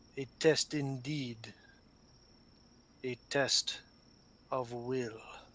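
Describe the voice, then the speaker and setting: Putting on a character voice, a man booms in a resonant, medium-pitched tone at a very slow pace with long, frequent pauses. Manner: grand, commanding.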